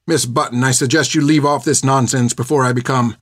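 A man's voice: medium pitch, steady tone, brisk, no echo, studio quality, natural voice. A man voicing a strict, haughty older nun who speaks in a prim, clipped way. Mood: stern.

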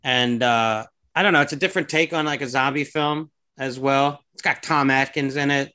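A man's voice: medium pitch, moderate pace, bright, forceful tone. A man with a Long Island accent, co-hosting a podcast in loose, rambling casual chat full of fillers. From New York. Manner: laid-back, rambling with fillers. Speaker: podcast co-host.

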